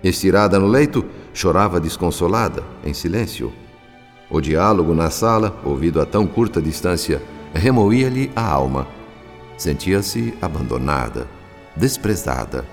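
A man's voice: low voice, lively intonation, unhurried. A man with a Brazilian accent narrating a radio drama in a solemn, formal, literary manner. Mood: solemn, grave. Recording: long reverb, soft music behind.

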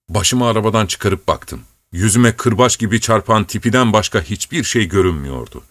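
Low-voiced male audiobook narrator. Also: no room sound. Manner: measured, storytelling. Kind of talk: scripted narration.

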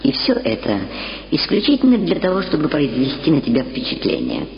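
A man voicing a self-assured, cryptic male insect mentor in a measured, knowing way for a radio reading, with reverb on the voice. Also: on the high side, wildly swooping pitch, creaky, pitched above the performer's own voice, heavily acted. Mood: knowing, teasing. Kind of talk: dramatised literary reading for radio. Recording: dull radio recording, long echoing reverb.

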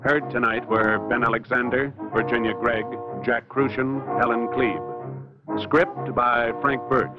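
A man announcing formally in a measured 1950s radio style. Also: mid-range voice. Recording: muffled vintage radio recording, loud brass music. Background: orchestral brass music.

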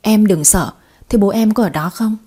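A woman's voice: mid-range voice, moderate pace, dark tone, breathy edge, close to an everyday voice. A woman voicing a young man who comforts his girlfriend. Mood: soothing. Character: young man, loving then panicked boyfriend.

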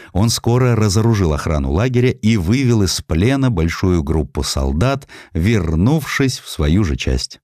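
A man reading a scripted historical sketch as an audiobook narrator, in an expressive, dramatic storytelling manner. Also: low voice, dry recording, clean studio sound. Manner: expressive storytelling, acting out quoted speech.

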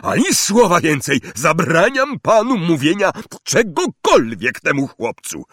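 Man doing a shrill panicked uncle. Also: wildly swooping pitch, measured pace, fairly bright tone, slightly rough, no echo, clean studio sound, heavily acted. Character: frightened blustering middle-aged uncle.

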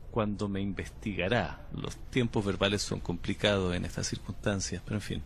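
A man voicing a low, gravelly male patient who insists he travels through time. He speaks slowly and calmly, with a steady, unnerving composure in an audio drama, over a faint hiss. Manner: slow, measured, unsettlingly calm. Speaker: patient under interview.

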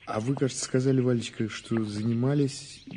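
An actor playing a middle-aged investigator in an audio drama, politely coaxing and gently ironic as he questions, echoing words thoughtfully. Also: mid-range voice, fairly even intonation, brisk, a little hiss or hum, close to an everyday voice. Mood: probing, ironic. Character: probing, gently ironic male prosecutor's investigator. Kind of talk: naturalistic radio drama dialogue.

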